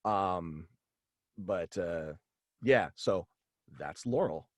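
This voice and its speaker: A man talking casually as an interview guest on a video call, halting and animated in manner. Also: low voice, dry recording, clean studio sound. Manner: halting and animated, slipping into quoted dialogue. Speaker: guest, voice actor and author. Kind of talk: casual interview chat about own radio play. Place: indoors at home, on a video call.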